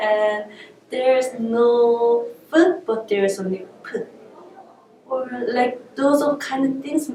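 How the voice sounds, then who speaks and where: Audible room echo and noticeable background noise accompany a woman who talks at a very slow pace. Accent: Korean. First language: Korean. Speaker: ESL student. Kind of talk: interview answers. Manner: halting.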